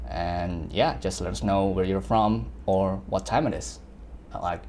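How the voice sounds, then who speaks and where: A man's voice: sits low, a little mellow, slight background noise. A young man from Indonesia teaching visual effects on a livestream, talking casually with lots of fillers and self-corrections. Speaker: VFX artist teaching a livestream. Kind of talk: live screen-share software tutorial.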